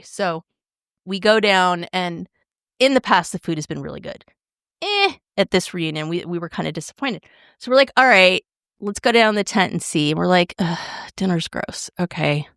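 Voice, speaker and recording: A woman in her fifties, co-hosting a podcast, telling stories in an animated way and acting out quotes. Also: on the low side, vocal fry, no echo, studio quality. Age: 50s. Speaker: podcast co-host. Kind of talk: casual chat, storytelling.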